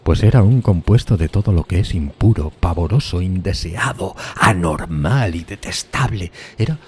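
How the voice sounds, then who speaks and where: A man's voice: low-pitched, expressive, moderate pace, slight background noise. A man playing a lonely, horrified undead outcast who tells his tale in a solemn, anguished, theatrical horror audiodrama style, drawing out emphatic words. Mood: revolted, awed. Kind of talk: dramatic gothic horror audiodrama narration.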